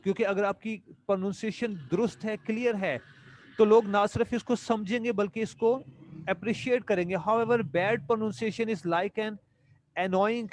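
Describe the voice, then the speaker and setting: A man gives a lecture in a fairly high voice. He reads each English line slowly and carefully, then explains it in Urdu. The recording is dry and close, with almost no room sound. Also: a little mellow, no echo. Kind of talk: classroom lecture.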